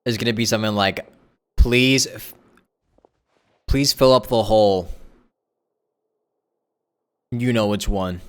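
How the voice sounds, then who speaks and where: A man's voice: fairly low pitch, takes it slowly, pauses often, clear, resonant tone. A man streaming a video game and giving casual, off-the-cuff reaction commentary. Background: game music.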